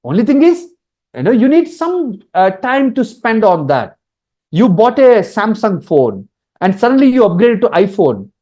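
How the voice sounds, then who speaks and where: A man's voice: sits high, very animated, a little slow, dark tone. A man from India with a Telugu accent, a native Telugu speaker, teaching a webinar informally as an instructor, repeating points emphatically and checking in often. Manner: repetitive, emphatic, checks in with "okay" and "right".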